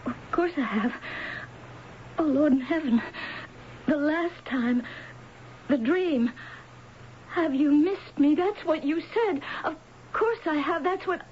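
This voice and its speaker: High-voiced, frightened, hesitant wife. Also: female voice, slow pace, pauses often. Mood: dazed, fearful. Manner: hesitant, stammering. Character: frightened, dazed, troubled wife. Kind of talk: old-time radio drama acting. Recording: dull, noisy old radio broadcast.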